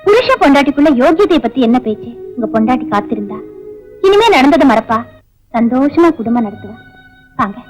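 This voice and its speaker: A patient, virtuous young wife in a 1980s film, with a high voice and a measured, earnest way of pleading. Film music is clearly heard behind her. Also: lively intonation, poor audio. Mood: consoling.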